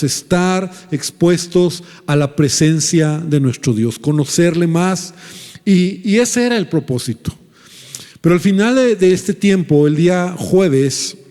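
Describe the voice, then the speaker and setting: Male Mexican pastor, storytelling sermon, warm and mellow, long church reverb. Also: on the high side. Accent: Mexican Spanish. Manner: storytelling, recounting dialogue with pauses and restarts.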